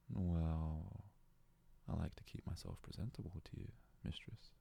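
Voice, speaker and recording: A man playing a devoted, self-abasing young yandere fox-boy servant in an ASMR roleplay, worshipful and hesitant, often slipping into breathy whispers. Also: sits low, dark tone, heavily acted. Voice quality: husky, gravelly, breathy, often dropping to a whisper.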